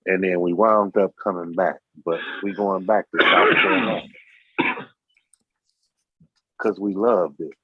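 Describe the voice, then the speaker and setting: A man's voice: deep voice, very animated, moderate pace, noisy background. A man from the United States talking in a blunt, drawling casual chat. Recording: dry, muffled lo-fi call audio.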